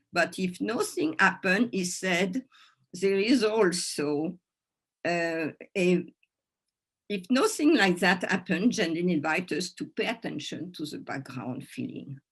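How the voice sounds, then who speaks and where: A woman's voice: lowish voice, husky. A woman with a French accent, a native French speaker, gives an informal teaching talk to a group, searching for words in her second language. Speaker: workshop presenter.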